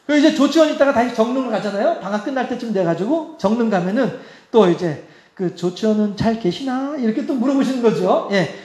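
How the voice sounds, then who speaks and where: A man's voice: very high-pitched, quick pace, a little mellow. A man preaching a sermon as pastor, in a chatty way, laughing often and asking the congregation rhetorical questions. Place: church sanctuary. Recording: echoey church hall.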